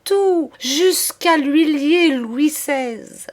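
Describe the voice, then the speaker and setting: A woman's voice: high voice, extremely slow, voice pushed up. A woman playing a wailing, panicked lady of the house. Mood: whimpering. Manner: wailing, breaking into a childlike whimper.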